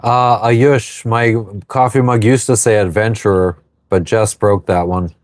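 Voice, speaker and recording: With a fairly low voice and a flat, unhurried delivery, a man in his thirties chats live from a sailboat at anchor. He breezes through viewer comments, swearing as he pleases. There's no echo on the audio.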